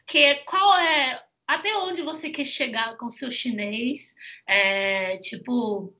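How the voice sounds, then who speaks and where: A young woman hosts a relaxed video-call interview from a small home room, talking through a headset. Her voice sits high and sounds bright and clear. She chats freely, laughing often and filling pauses with little words. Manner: chatty, laughs often, many fillers. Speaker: Chinese teacher and host.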